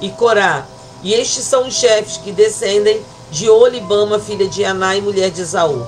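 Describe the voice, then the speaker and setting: Music plays in the background as a woman speaks at a fairly slow pace. Her voice sits at a medium pitch with ordinary pitch variation. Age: 60s. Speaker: pastor. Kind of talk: reading aloud. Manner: halting.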